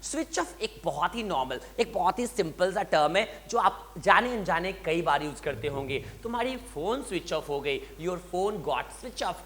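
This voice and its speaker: A man teaching spoken in a bilingual lesson. He repeats example sentences slowly and deliberately, with a lively, emphatic coaching tone. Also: high voice. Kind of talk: bilingual lesson, Hindi explaining English phrases.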